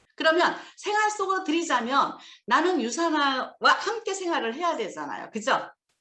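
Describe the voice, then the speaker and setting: Raised and projected, a woman's bright, sharp voice sits at an extremely high pitch with very wide pitch swings, moving at a moderate pace through audible room echo. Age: 60s. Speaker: network marketing leader. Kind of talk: motivational talk. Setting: video call.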